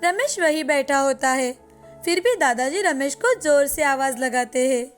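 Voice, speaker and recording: A woman narrating an animated moral story in an even, explanatory storybook manner. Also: sits high, a little slow, soft background music.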